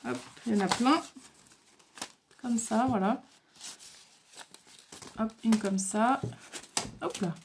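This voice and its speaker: A woman's voice: on the high side, takes it slowly, pauses often, background noise. A woman vlogger casually showing crafts she received by mail, talking hesitantly with many fillers and stumbling over her words.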